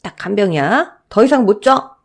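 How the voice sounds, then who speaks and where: A woman voicing a fed-up middle-aged shopkeeper who scolds loudly about unpaid debts in a Korean audio story. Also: medium pitch, lively intonation, normal speed, voice pushed up. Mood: scolding. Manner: loud, scolding, exasperated.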